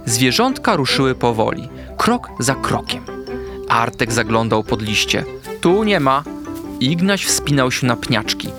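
A man reads a children's story aloud with gentle, expressive storytelling. His voice is lively, moving freely up and down in pitch, and soft music plays faintly underneath. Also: unhurried. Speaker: narrator.

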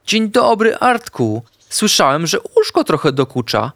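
A gentle badger doctor talks calmly and kindly to a nervous patient, as a man reading a children's story puts him on. His voice moves expressively up and down. The sound is close and dry. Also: sits high, measured pace, gravelly, dry recording, voice pushed up, exaggerated voice. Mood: friendly. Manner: calm, friendly, reassuring. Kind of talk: storybook character voice.

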